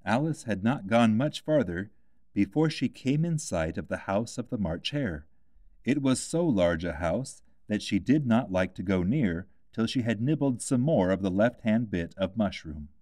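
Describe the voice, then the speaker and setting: A man's voice: fairly low pitch, lively intonation, a little slow, a little mellow, no room sound, studio quality. A man reading a scripted children's classic as an audiobook narrator.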